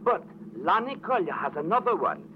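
A man's voice: high voice, sing-song, normal speed. An actor playing a fussy, nervous, secretive businessman with a bossy, agitated manner in a 1940s radio drama. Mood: confiding, uneasy. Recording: muffled, very noisy old radio recording.

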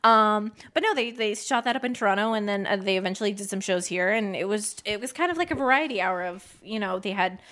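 A woman's voice: mid-range voice, fast talker, few pauses, fairly bright tone. A woman, a comedian, chatting as a podcast guest, laughing often and telling stories with acted-out quotes. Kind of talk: casual chat.

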